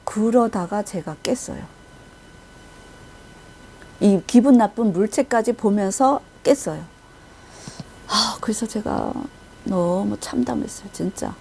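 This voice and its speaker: A woman's voice: medium pitch, slow, creaky, long pauses, a little mellow, a little hiss or hum. A woman preaching and recounting a vision in testimony style, restarting often and acting out the people in it. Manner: retells a vision with acted quotes and frequent restarts. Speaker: Christian intercessory prayer minister.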